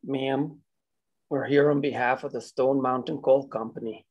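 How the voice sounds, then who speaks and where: A coal company enforcer leans on a woman with smooth, condescending menace, as a man reads the part at a table read. His voice sits at an ordinary middle pitch. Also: steady tone, unhurried, lo-fi sound, lightly acted. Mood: cold.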